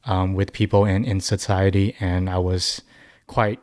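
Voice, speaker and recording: A young man in his twenties, raised in China and Taiwan, answering questions as a podcast guest in a thoughtful, halting way with many restarts. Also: deep voice, little pitch movement, a little mellow, no room sound, studio quality. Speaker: musician guest. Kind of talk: casual podcast interview.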